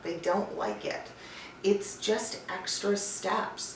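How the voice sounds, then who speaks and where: A woman speaking at a fairly slow pace against noticeable background noise. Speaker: voice actor and voice over coach. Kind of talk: casual talk to camera.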